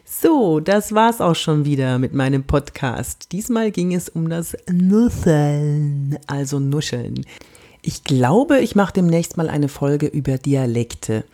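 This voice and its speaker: A woman from Franconia hosting a coaching podcast, animated and emphatic, with whispered asides. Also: low voice, takes it slowly. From Franconia, Germany. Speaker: podcast host and body-language coach.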